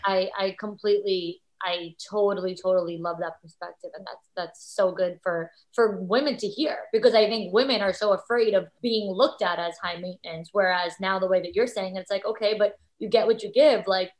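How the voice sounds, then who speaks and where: Young woman host, middle-pitched voice, eager and affirming, casual chat, stumbles over repeated words. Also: fairly quick, few pauses, low-quality recording. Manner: enthusiastic, affirming, repeats words while thinking. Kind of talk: casual podcast conversation.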